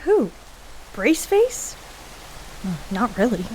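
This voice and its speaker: Medium-pitched female voice, skeptical, blunt, practical played by a woman, radio drama, clear rain-like hiss. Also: big pitch swings, slow, darkish tone. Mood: defensive. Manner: matter-of-fact, blunt. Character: skeptical, practical adult woman, dismissive of ghosts. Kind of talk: radio play acting. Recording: noisy hiss with rain behind.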